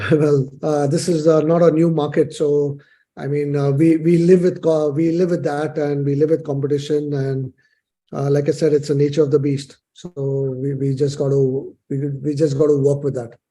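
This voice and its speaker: Halting, very mellow male executive. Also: fairly high pitch, level tone. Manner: halting, hesitant, measured phrasing. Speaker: company executive answering analysts. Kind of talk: earnings call answers.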